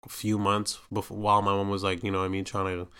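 Speaking fast in a low, sharp, clean voice with a completely flat delivery, a young Canadian podcast host tells a rambling personal story. The casual monologue is full of filler tags and swearing, and he acts out quoted voices animatedly.

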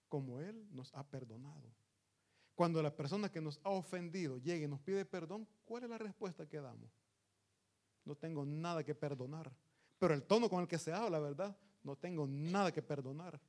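A man's voice: a little high, darkish tone. A man preaching a sermon in an earnest, emphatic manner, speaking to the congregation as his brothers.

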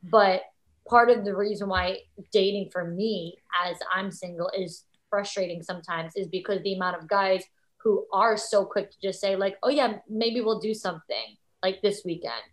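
A woman's voice: mid-range voice, steady tone, normal speed, poor audio. Enthusiastic young woman host, chatty. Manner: enthusiastic, affirming, repeats words while thinking. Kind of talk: casual podcast conversation.

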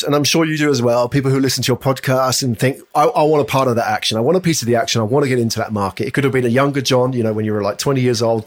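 Man, podcast host, medium pitch, casual interviewing, chatty, rambling questions.

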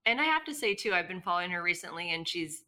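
Bright-voiced, gushing woman. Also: fairly low pitch, sing-song, fast talker. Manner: enthusiastic, gushing. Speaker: boutique owner, podcast guest. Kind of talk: casual chat.

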